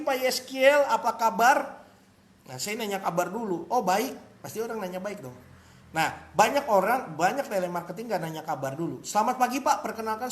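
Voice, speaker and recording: High-voiced man coaching on sales. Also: echoey room. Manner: lively, acts out sales calls, checks listeners with quick questions. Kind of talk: casual business coaching talk.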